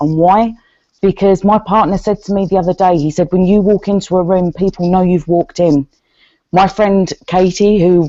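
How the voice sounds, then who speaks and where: In an English accent, a woman with a dark, mellow tone talks at a moderate pace. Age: 30s. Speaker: guest on a women's support hangout. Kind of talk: personal testimony in group video chat.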